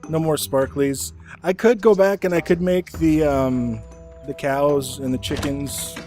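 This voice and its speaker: A man's voice: fairly high pitch, unhurried, dark tone. A man giving casual gameplay commentary on a video game. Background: game music.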